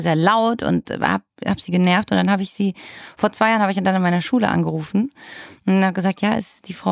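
A young woman who grew up speaking Spanish at home chats easily on a podcast. She talks in a quick, self-mocking way and laughs often. Her voice sits at a middle pitch and sounds close and dry, with no room around it. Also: gravelly, no room sound. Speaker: podcast co-host. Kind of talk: casual chat.

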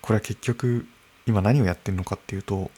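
A man in his early thirties talking alone into a microphone in his room, slow and musing, with soft laughs. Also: lowish voice, fairly even intonation, breathy edge. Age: early 30s. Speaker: podcast host. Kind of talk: unscripted solo podcast talk. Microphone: podcast microphone.

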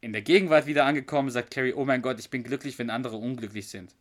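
A man co-hosts a casual podcast chat in a middle-pitched, ordinary voice. He retells scenes at length, slipping into quoted lines. He sometimes stalls and hunts for words. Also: very fast. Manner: narrates scenes at length, quoting characters, with hesitations. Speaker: podcast co-host.

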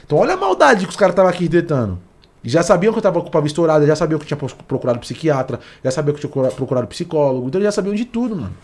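Fast-talking Brazilian man, slangy São Paulo accent. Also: fairly high pitch, big pitch swings, a little mellow. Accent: Brazilian Portuguese, São Paulo. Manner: slangy, street-style talk full of colloquial tags. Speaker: podcast guest, former police officer. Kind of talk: casual interview chat, telling personal stories.

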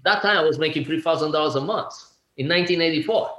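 A man's voice: fairly high pitch, racing, fairly bright tone. A man around sixty from Italy, a guest talking casually in an interview with lots of laughs and restarts. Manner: chatty, laughing, many fillers and restarts. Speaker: guest, real estate agent. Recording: echoey room.

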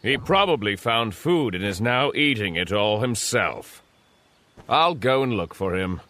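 A man playing a gruff, impatient travelling companion in a children's story, with a forceful, scolding manner. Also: on the low side, lively intonation, measured pace, slight background noise. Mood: annoyed.

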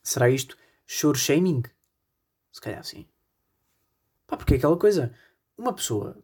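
A man's voice: on the high side, warm tone, husky. A man with a European Portuguese accent hosting a solo comedy podcast, rambling in a self-deprecating way with constant fillers. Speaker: podcast host.

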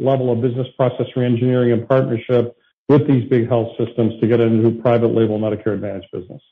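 A man speaking as a company executive, giving measured, deliberate business answers on a conference call. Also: mid-range voice. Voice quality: clears throat occasionally. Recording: narrow tinny phone conference line.

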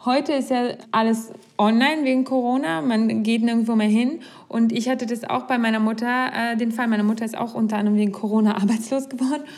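A woman's voice: a little high, fairly even intonation, brisk, hardly any pauses, a little mellow. A young woman hosting a podcast, talking candidly in a casual conversation and thinking aloud with restarts. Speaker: podcast host.

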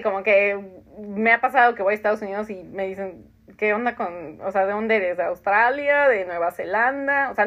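Reading listener comments aloud and replying between frequent laughs, a Mexican woman in her thirties hosts a casual podcast chat. Her voice is medium in pitch and a bit bright, captured in a muffled recording.

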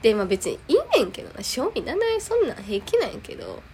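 A woman's voice: mid-range voice, fast, slight background noise. A woman with a Kansai accent, chatting casually on a podcast and telling a story with lots of energy, acting out the lines of the people in it. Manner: animated storytelling, acts out quoted lines. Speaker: podcast co-host. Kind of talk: casual chat. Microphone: remote recording.

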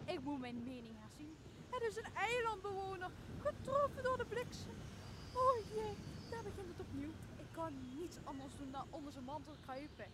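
A young woman playing a timid, excitable castaway, a loyal buddy, with nervous drama in a Shakespeare radio play. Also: very high-pitched, moderate pace, noisy background. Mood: nervous, wary. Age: young adult. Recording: clear outdoor nature sound behind voice.

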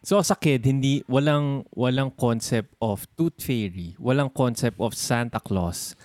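A man's voice: mid-range voice, unhurried, darkish tone, dry recording. A man with a Filipino accent in casual chat, teasing and mixing in English words.

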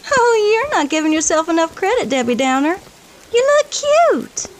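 A woman's voice: extremely high pitch, big pitch swings, moderate pace, a little hiss or hum, rough recording. A woman playing a bubbly, teasing young party-loving best friend in an audio drama, coaxing and playful. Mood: teasing, encouraging. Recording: loud music bed behind the voice.

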